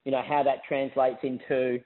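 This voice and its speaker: A man's voice: medium pitch, little pitch movement, normal speed. A man calls in as an investor, putting questions conversationally on an earnings call. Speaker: investor caller. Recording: narrow, tinny phone line.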